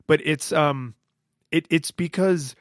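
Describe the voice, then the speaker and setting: Guy with a deep voice, chatty and rambly, laughs a lot, dry close mic. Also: takes it slowly, dry recording. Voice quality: fairly deep voice. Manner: rambling, laughs often, many fillers. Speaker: podcast co-host. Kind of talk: casual chat about a video game.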